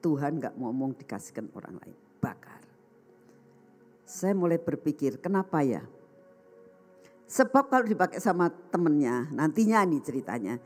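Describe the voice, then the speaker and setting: A woman's voice: deep voice, big pitch swings, moderate pace, soft background music. A woman evangelist preaching a sermon, telling a story animatedly and acting out the voices in it. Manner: addresses the congregation as brothers and sisters.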